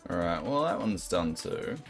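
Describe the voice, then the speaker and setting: A young adult man with a New Zealand accent and a deep, soothing voice, chatting casually and self-deprecatingly with his viewers while playing a game. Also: expressive, normal speed, soft background music. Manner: rambling, self-deprecating, sympathetic. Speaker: game streamer.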